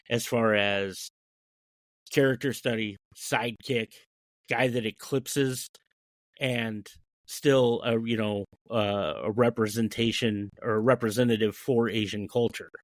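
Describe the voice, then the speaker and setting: A man's voice: mid-range voice, dry recording. A man hosting a podcast, introducing the topic in a loose way while searching for words. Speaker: podcast host.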